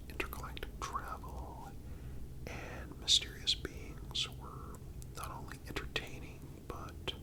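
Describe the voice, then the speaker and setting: A man whispers throughout in a breathy, voiceless tone. He reads scripted ASMR narration very slowly, in measured phrases separated by frequent pauses. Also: poor audio.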